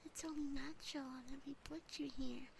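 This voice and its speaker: A woman voicing a possessive, affectionate demon sister in an ASMR roleplay, soft and breathy at a close microphone. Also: high-pitched, fairly even intonation, a little fast, noisy background. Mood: tender, explaining. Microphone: close binaural microphone.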